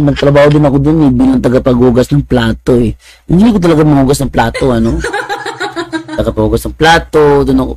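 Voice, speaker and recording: A man's voice: mid-range voice, breathy edge, no room sound. A man, a Catholic apologist who tells funny personal stories and laughs often. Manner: animated, laughing, mimics voices. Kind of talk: humorous storytelling talk.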